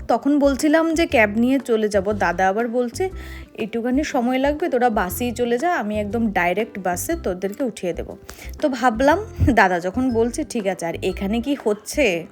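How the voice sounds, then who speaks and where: A young woman from Agartala chatting to her viewers as she vlogs her day and tells little stories. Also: on the high side. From Agartala, Tripura, India. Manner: chatty, warm storytelling to viewers. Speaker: vlogger. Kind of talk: casual vlog narration.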